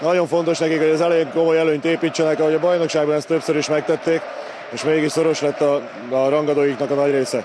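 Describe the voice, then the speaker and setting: Delivered at a very fast pace in a monotone, flat intonation, the speech has a dry sound with no echo but noticeable background noise. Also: man, fairly high pitch for a man. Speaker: basketball coach. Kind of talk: interview. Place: stadium. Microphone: handheld.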